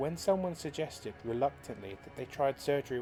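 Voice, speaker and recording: A man with a British accent and medium pitch talks at a fairly quick pace with ordinary pitch variation while music plays in the background. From United Kingdom. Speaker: creepypasta story reader. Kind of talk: horror story reading.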